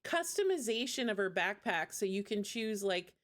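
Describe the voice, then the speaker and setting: A woman's voice: medium pitch, sing-song, moderate pace. A woman giving casual, effusive live commentary as a streamer, chatty and informal. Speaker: streamer reacting to a game showcase.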